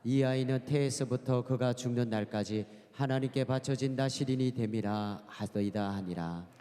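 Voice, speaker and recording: Mellow man reading scripture in a hall. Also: medium pitch, normal speed. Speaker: scripture reader. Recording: church hall reverb.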